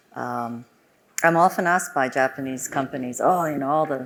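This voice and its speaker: A woman with a New York accent talks at a fairly quick pace in a very deep, low voice. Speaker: tech company executive. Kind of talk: panel discussion. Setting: conference stage with audience. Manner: fluent, confident.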